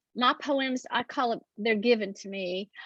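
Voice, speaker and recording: A woman talks with an Appalachian accent in a bright, sharp tone. The sound is dry and close with no echo, over a quiet background. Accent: Appalachian twang. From Southeastern Ohio, Appalachia. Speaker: poet. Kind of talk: interview. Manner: hesitant, many fillers.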